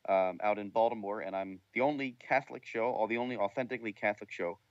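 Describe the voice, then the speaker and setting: A man co-hosts a radio talk show, relaxed and easygoing as he reads out listener questions. His voice sits at a mid pitch and sounds a little dull and muffled, with dry, close acoustics. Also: quick pace, no room sound. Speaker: show producer and co-host.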